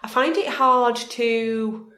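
A woman's voice: on the high side, slow, pushed and bright, echoey room. A woman hosting a casual interview podcast, informal and blunt in her way of talking.

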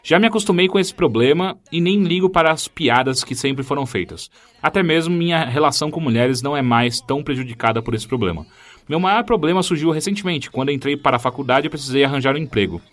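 Fast-talking Brazilian man, podcast co-host. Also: on the high side, fairly bright tone. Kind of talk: casual conversation and reading listener mail. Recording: music behind.

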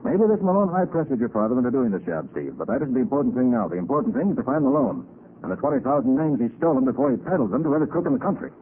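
Male actor as master detective, 1940s radio crime serial, rapid, authoritative, clipped, thin scratchy recording. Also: medium pitch, very animated, narrow, tinny audio, natural voice. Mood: deductive. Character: brisk, commanding master detective. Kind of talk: 1940s radio drama acting.

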